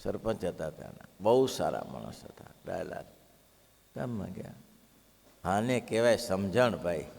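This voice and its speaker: A man's voice: sits low, unhurried, creaky. A man giving a devotional sermon, telling stories expressively and asking the listeners rhetorical questions. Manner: expressive, rhetorical questions, acts out quoted villagers. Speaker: religious discourse speaker. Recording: long hall reverb.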